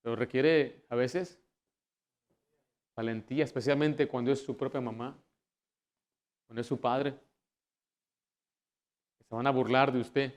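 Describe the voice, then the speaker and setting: A man preaching as pastor, telling personal stories with acted-out quotes and rising to loud, forceful exhortation. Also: medium pitch, fairly even intonation, unhurried, pauses often. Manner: storytelling, acts out quoted voices, builds to loud exhortation. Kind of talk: sermon.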